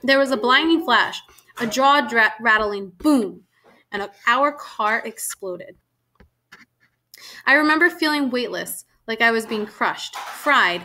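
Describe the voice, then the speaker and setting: Bright-voiced woman narrating a storybook. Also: on the high side. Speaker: audiobook narrator. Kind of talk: first-person storybook narration.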